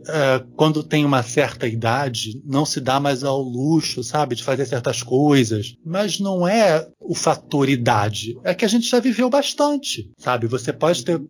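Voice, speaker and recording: A man, chatting candidly on a podcast with lots of casual fillers. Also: medium pitch. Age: 40s. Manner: candid, conversational, fillers like "sabe". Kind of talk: casual chat.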